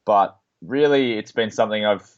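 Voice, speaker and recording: Low-voiced Australian man, dull line. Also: moderate pace. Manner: relaxed, many ums and restarts. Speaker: guest. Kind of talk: casual interview talk.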